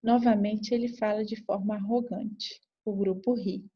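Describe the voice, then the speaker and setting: A woman calmly reading aloud the account of a group therapy session, in a measured narration. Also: medium pitch, slightly rough, dull audio. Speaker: reader.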